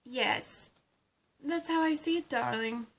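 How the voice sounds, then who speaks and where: A woman playing a haughty, seductive plant villainess with a breathy voice and a condescending, theatrical drawl in an amateur roleplay. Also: sits high, slow, a bit bright, slight background noise, full character voice. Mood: vain, sultry.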